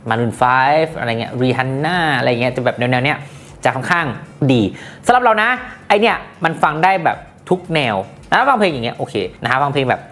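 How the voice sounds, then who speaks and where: A woman's voice: rumbling low, expressive, normal speed, a bit bright, slight background noise. A woman hosting a casual tech product review, chatty and playful, with teasing asides to her viewers.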